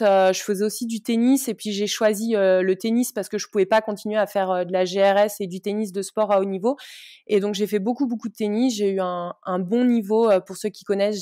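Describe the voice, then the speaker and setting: A woman in her thirties, a sports coach from the Paris region, answering interview questions in a friendly, halting way with many fillers. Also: mid-range voice, warm tone, no echo, studio quality. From Paris region, France. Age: 30s. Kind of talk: casual interview talk.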